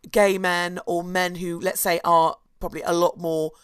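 A hoarse woman, co-hosting a podcast and chattily telling a history story, with asides and restarts. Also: fairly low pitch, little pitch movement, moderate pace, dry recording, studio quality. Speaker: podcast co-host. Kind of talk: casual chat, storytelling history.

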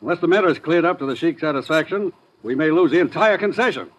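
An actor playing a brisk, authoritative government commissioner in a 1950s radio drama. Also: male voice, a little high, natural voice. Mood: brisk, commanding. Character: brisk authoritative male government commissioner sending agent on mission. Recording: dull old radio recording.

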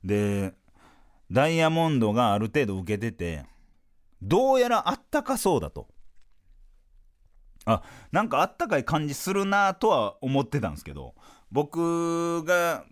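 A man's voice: on the high side, moderate pace. A man with a Kansai accent, hosting a podcast and telling a comic story with lots of acted-out quotes. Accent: Kansai Japanese. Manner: animated, lively storytelling with voiced-out quotes. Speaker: podcast host, comedian.

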